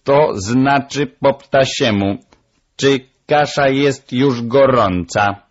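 A man voicing a proud, lecturing female parrot with a shrill voice, in a storybook audiobook. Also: takes it slowly, lo-fi sound.

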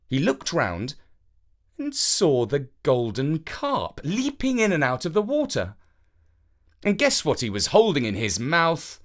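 A woman narrating a children's fairytale as an expressive storyteller. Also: sits low, a little slow.

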